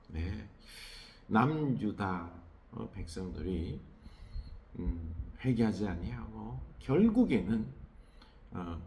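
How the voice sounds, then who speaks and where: A man's voice: fairly low pitch, gravelly, warm tone, a little hiss or hum. A man preaching an early-morning prayer sermon as pastor, conversational, with many hesitation fillers, tag questions to the listeners and emphatic rises on emotional words.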